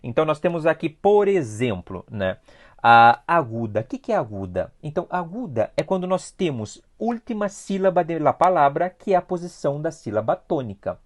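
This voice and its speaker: Brazilian-accented teacher, animated intonation, patient explainer who keeps checking in with students. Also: medium pitch, moderate pace. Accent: Brazilian Portuguese. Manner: patient, checks in often with a questioning "sim?"; explains step by step, repeating key points. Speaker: Spanish teacher. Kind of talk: online review class.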